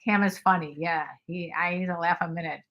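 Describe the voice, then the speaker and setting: A woman's voice: on the low side, steady tone, a little fast, highs cut off. An older woman co-hosting a live stream, joking bawdily while she reads viewer comments. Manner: brash, bawdy and joking. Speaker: livestream co-host. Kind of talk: casual livestream chat reading comments.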